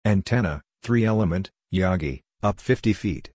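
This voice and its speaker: A man reading amateur radio contact phrases in a measured, clipped way for Morse code practice. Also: low-pitched, expressive, darkish tone.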